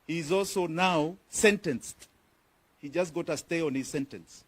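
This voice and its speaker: A man's voice: fairly high pitch, unhurried. A man with a Kenyan accent, a politician answering reporters' questions at a press conference in a firm, emphatic way, repeating key phrases.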